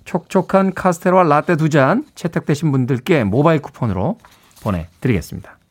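A man's voice: on the high side, expressive, a little fast, slightly rough. A man hosting a radio show, chatting in a friendly way and reading out listener messages from a studio. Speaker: radio host. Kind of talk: radio DJ talk.

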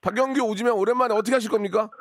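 A man hosting a phone-in radio show, teasing callers with deadpan banter. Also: sits high, very fast. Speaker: radio host. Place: radio studio.

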